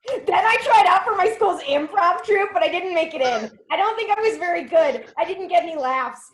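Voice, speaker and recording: An actress playing an overly chatty young woman at a bus stop who talks loudly and overshares in a sketch reading. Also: very high-pitched, expressive, moderate pace. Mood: gushing. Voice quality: loud, oversharing, breaks into song. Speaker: actor in a sketch. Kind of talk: virtual staged reading of a comedy sketch. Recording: roomy echo.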